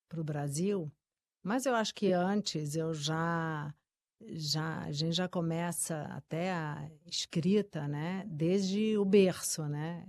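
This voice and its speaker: A woman from Uruguay whose first language is Spanish, a guest in an interview, speaking with many pauses and fillers. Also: on the low side, darkish tone, dry recording, studio quality. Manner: slow, hesitant, many fillers like "né" and "eh". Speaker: guest author and psychoanalyst. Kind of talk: conversational interview.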